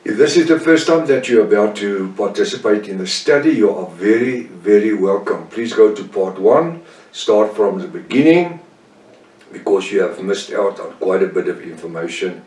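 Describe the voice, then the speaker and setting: A man's voice: lowish voice, expressive, darkish tone, echoey room, distant mic. Older South African man teaching scripture. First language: Afrikaans. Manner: slow, deliberate delivery with frequent fillers and self-corrections. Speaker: Bible teacher. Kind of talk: Bible study teaching.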